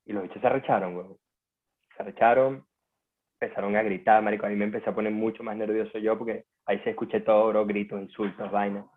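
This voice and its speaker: A man's voice: lowish voice, fairly even intonation, fast. Slangy Venezuelan man, phone-like sound. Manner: slangy, informal. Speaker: guest. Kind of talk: casual storytelling.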